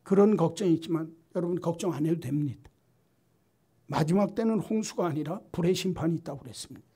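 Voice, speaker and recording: A male pastor preaching a sermon emphatically, building up to loud, forceful lists. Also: on the high side, quick pace, husky. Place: church sanctuary.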